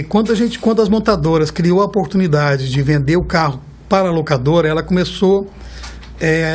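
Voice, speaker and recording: This is a Brazilian man in his fifties with a voice that sits a bit higher than most men's. He tells stories in a loose, conversational flow and keeps checking in with his listener. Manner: chatty, warm storytelling, keeps tagging phrases with a questioning "right?". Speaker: guest, car rental executive. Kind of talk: casual interview talk.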